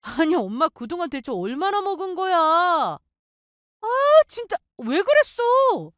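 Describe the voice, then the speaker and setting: A woman's voice: very high voice, sing-song, measured pace, no room sound, studio quality, pitched above the performer's own voice, heavily acted. A woman voicing an exasperated young sister-in-law who keeps asking incredulous questions. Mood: shocked.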